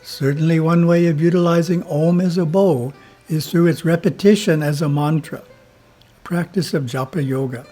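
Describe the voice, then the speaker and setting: A man who is a spiritual teacher reads his editorial in a slow, measured way and chants Om between the passages. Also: a little high, mellow, soft background music.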